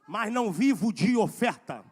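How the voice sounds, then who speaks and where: A man with a Brazilian Portuguese accent preaching a fiery sermon, moving from soft asides to loud shouting and repeating phrases to the congregation. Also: sits high, lively intonation, moderate pace, slightly rough.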